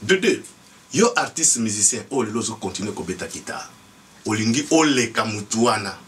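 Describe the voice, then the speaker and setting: Emphatic Congolese man, lively pitch. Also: normal speed, recorded from a distance, slight background noise. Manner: emphatic, mixing French and Lingala. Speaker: promoter. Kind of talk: promotional address to camera. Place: indoor studio set.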